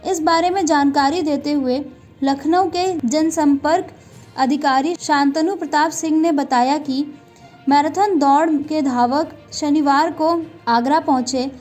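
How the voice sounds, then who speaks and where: A woman anchor reading scripted news bulletins in a steady, formal newsreader delivery. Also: high voice, measured pace, faint music behind.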